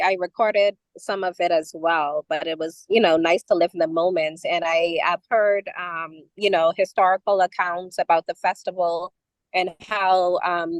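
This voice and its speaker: A woman's voice: fairly low pitch, no room sound, low-quality recording. A woman from the Bahamas, talking casually over a call from a vehicle on the road, with many fillers. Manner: conversational, with frequent fillers. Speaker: community member sharing travel experience. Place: in a moving vehicle.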